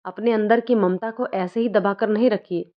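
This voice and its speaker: A woman's voice: medium pitch, fairly even intonation, moderate pace, natural voice. A woman voicing an earnest young woman who gives persuasive counsel, read as a storybook role. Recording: dull lo-fi recording.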